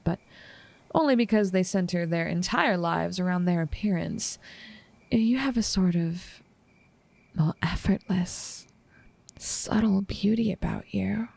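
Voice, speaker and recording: A woman playing an infatuated assassin in an intimate audio roleplay, composed and menacing yet tender, speaking softly and often slipping into whispers. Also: on the low side, creaky, no echo. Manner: soft, unhurried delivery slipping often into whispers.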